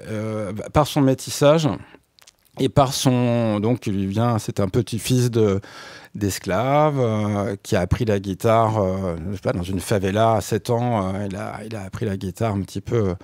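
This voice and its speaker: A man speaking as a radio guest, explaining music history in a halting way, with frequent restarts and fillers. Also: on the low side, darkish tone, dry recording. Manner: hesitant, many restarts and fillers.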